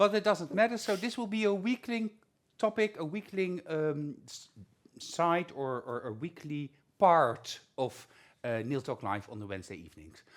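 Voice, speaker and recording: At a moderate pace, the speaker shows very wide pitch swings and big swings in loudness on a very clean recording with a silent background. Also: man, high pitch for a man. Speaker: show host. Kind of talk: live show hosting. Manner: stumbling over words.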